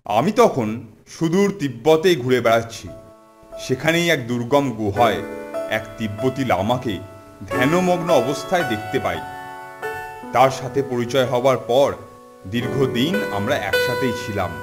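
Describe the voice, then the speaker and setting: A man's voice: medium pitch, animated, measured pace, natural voice. A man playing a solemn, pious wandering holy man in a children's cartoon, with formal, grandiose old-fashioned speech. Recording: music behind the voice.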